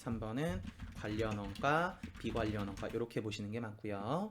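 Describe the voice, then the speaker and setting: A man talks at a moderate pace. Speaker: accounting exam tutor. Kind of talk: tutorial. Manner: casual, conversational.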